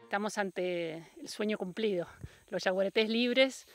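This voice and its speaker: A woman's voice: mid-range voice, unhurried, over loud music. A woman with an Argentine accent explaining conservation work in an unscripted documentary interview. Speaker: conservation project worker being interviewed.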